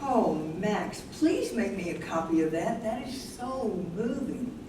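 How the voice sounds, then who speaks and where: Confident, bookish college girl for a staged reading, played by a woman; mid pitch, heard from far off. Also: expressive, slow pace. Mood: warm interest. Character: self-assured, bookish young college woman of the 1950s. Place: indoor venue at a live staged reading. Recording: very echoey, noisy room, far from mic.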